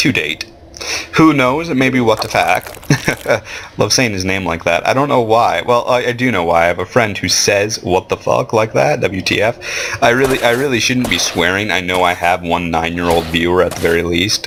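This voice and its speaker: A man with a fairly low pitch talks at a moderate pace with lively intonation against noticeable background noise. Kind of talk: live game commentary. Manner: animated.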